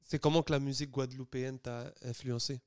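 A man's voice: mid-range voice, little pitch movement, fast, a little mellow, smooth, no room sound, studio quality. A man co-hosting a podcast, asking short questions in a casual way. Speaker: podcast co-host.

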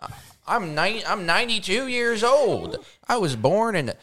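A woman's voice: big pitch swings, unhurried, a bit bright. A man imitating a confused ninety-two-year-old woman caller who talks in a loop. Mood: rambling. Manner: high quavering looped speech.

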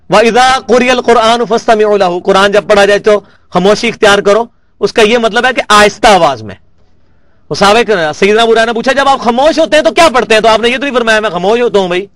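Male lecturer from Pakistan, high voice, forceful religious teaching with repeated stresses. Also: no echo. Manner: emphatic, repeats key words for stress. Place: lecture hall at a research academy.

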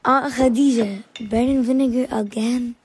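A woman's voice: on the high side, fairly even intonation, normal speed, heavy background noise, natural voice. A woman playing an eager, questioning young child in an audio story, plaintive and childlike. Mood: plaintive, curious. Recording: loud clinking dishes behind.

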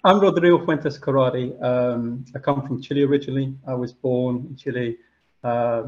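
A man's voice: mid-range voice, steady tone, moderate pace, darkish tone. A man from the United Kingdom joins a podcast as a guest, speaking over dull, lo-fi video call audio. He talks in a hesitant, thoughtful way, stopping often on fillers. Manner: hesitant, many uhs and ums. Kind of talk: casual interview chat.

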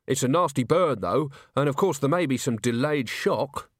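A man's voice: medium pitch, lively intonation, normal speed, no room sound, studio quality, lightly acted. A man voicing a level-headed, apologetic young woman in a story, hesitant and matter-of-fact. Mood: practical, hesitant.

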